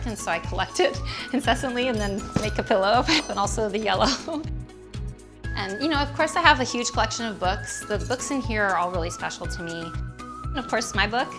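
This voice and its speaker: Chatty woman with soft music. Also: medium pitch. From Hawaii. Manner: chatty and warm, laughs often, drifting tangents. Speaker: homeowner giving a house tour. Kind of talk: casual home tour chat.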